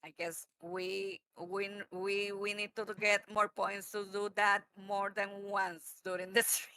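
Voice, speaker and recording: A woman's voice: mid-range voice, level tone, unhurried, pushed and bright, dry recording. A woman streamer chatting casually, giggly and full of fillers, into a close mic. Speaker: streamer guest. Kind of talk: casual chat.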